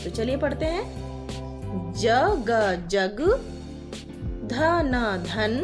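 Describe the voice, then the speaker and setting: A woman teacher giving a slow, patient primary school Hindi lesson, spelling words out letter by letter. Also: high-pitched.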